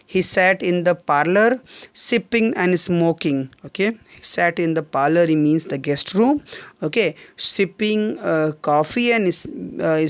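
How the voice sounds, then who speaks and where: A man teaching an online English class with an Indian accent, reading a story line by line and paraphrasing it with frequent fillers and throat clearing. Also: on the high side, dry recording. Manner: reads a line then paraphrases it, with frequent "okay" and "uh"; clears his throat often.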